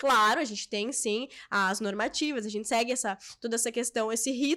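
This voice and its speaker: On a very clean recording with a silent background, a woman talks fairly quickly in a bright, sharp, fairly high voice with ordinary pitch variation. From southern Brazil, Rio Grande do Sul. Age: 20s. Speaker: city councillor. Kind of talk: podcast interview.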